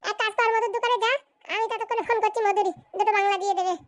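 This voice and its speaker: A woman's voice: extremely high pitch, steady tone, racing, no room sound, clean studio sound. A woman voicing a bossy, foul-tempered, scheming village woman in a comic cartoon, scolding and threatening in a rural Bengali dialect. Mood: grudging.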